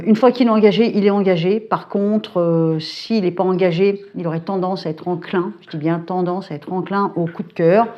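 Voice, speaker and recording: A middle-aged woman talking casually to camera, colloquial and brisk, with lots of fillers and hesitations. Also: mid-range voice, dull audio. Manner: chatty, colloquial, frequent filler tags and hesitations; brisk and self-described hyperactive. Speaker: psychic YouTuber. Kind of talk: casual talking-head chat. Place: home.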